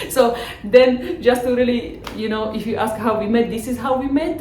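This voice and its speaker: Audible room echo and noticeable background noise surround this woman's fairly high-pitched voice. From Slovakia. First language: Slovak. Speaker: tattoo artist. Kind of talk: interview.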